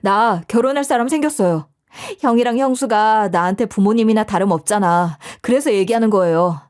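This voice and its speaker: A woman's voice: medium pitch, fairly quick, darkish tone, lightly acted. A woman doing an earnest young man.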